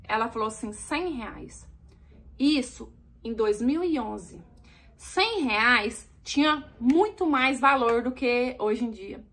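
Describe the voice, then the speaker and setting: A young Brazilian woman telling a story to her viewers, animated, acting out the dialogue. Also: fairly high pitch, slow pace. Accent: Brazilian Portuguese.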